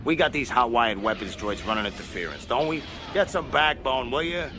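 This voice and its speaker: Man as scavenger gang boss, mid-pitched, domineering, scoffing, loud music underneath, audio drama. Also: animated, brisk, natural voice. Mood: bossy, goading. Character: bossy, scheming male junk-trader scavenger boss. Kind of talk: science fiction audio drama acting. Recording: loud music and battle effects behind.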